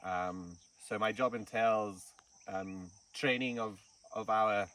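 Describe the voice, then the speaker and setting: Kenyan-born guy chatting about his work, lowish voice, sounds a bit far off from the mic, faint crickets. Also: takes it slowly. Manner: relaxed storytelling with frequent "um"s. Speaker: snake farm curator. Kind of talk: casual interview. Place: outdoors in the bush. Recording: distant mic with faint insect noise.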